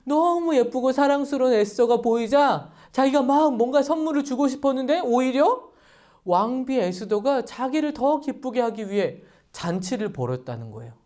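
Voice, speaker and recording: Lively woman telling a kids' sermon. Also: sits high, moderate pace. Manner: lively, addresses children directly with questions. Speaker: children's pastor. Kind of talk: children's sermon storytelling.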